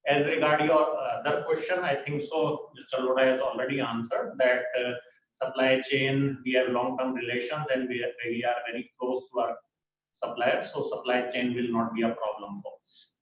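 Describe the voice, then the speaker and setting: A distant, echoey conference-call recording of a man with a monotone, mid-pitched delivery. He speaks as a finance executive, measured and matter-of-fact. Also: dull audio. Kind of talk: earnings call answers, unscripted.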